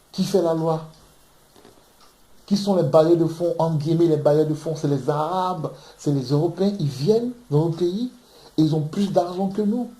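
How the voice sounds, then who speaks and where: A man's voice: on the high side, dark tone. A man from Ivory Coast preaching on scripture in an emphatic way, often repeating words as he searches for them. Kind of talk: impassioned bible teaching. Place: room in London. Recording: echoey room.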